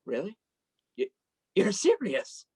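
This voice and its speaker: A woman's voice: medium pitch, huge pitch swings, takes it slowly, a little mellow, breathy edge, heavily acted. A woman playing a supportive, self-deprecating young male journalist and best friend in a staged reading of a play. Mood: thrilled.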